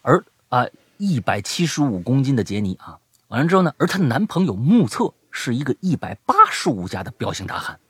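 A man's voice: medium pitch, a little fast, breathy edge, no room sound, clean studio sound. A young adult man hosting a podcast, retelling listener stories in casual chat and dropping to a whisper for suspense. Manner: animated storytelling, drops to a whisper for suspense. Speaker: podcast host.

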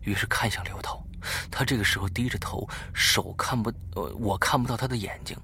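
A man's voice: lowish voice, a little fast, vocal fry, bright, forceful tone. A man in his thirties telling a spooky first-person ghost story, dropping to a whisper at tense moments. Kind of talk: spoken ghost story narration.

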